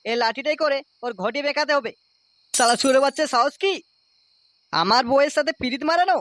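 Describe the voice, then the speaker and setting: A man's voice: extremely high pitch, brisk, a bit bright. A man voicing a jealous, foul-mouthed village husband in a comic cartoon, with a West Bengal accent and a blustering, coarse, threatening manner. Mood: furious.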